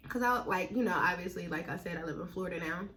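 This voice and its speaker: A woman's voice: lowish voice, fairly bright tone, a little hiss or hum. Casting: American woman, mukbang host, casual and chatty, talking between and through bites of food. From northern United States. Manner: chewing while talking, with pauses to eat. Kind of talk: casual chat to viewers while eating.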